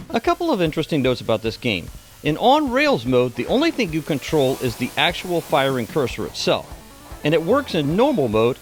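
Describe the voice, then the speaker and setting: A middle-aged man reading an enthusiastic scripted video game review as its presenter. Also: a little high.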